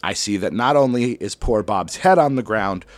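A man, a schoolteacher, telling a personal story to an audience in an animated way, with sudden loud bursts and slow dramatic drops. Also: lowish voice, no room sound. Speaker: elementary school teacher.

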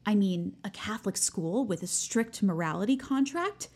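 An actress playing a self-righteous, overbearing Catholic high school senior girl in an audio play, chirpy, pushy and self-important. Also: lively intonation, moderate pace, a little mellow, slightly rough. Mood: prim, probing. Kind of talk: naturalistic audio drama acting.

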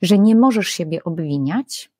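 Woman, lowish voice, biblical scholar, animated explainer, dry close sound. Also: a little slow, no room sound. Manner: animated, frequent fillers, acts out quoted voices. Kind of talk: explanatory conversational talk.

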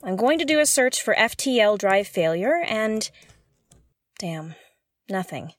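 Muttering and thinking aloud, a woman voices a jittery, curious explorer on an abandoned spaceship in an audio drama, sounding intent and puzzled, hesitant and full of exclamations. Her mid-range voice is very animated yet measured in pace, and the recording is dry.

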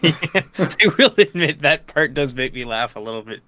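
A man co-hosting a casual podcast, chatty and quick to laugh, with plenty of fillers. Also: mid-range voice, animated, bright, forceful tone, no room sound. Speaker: podcast co-host.

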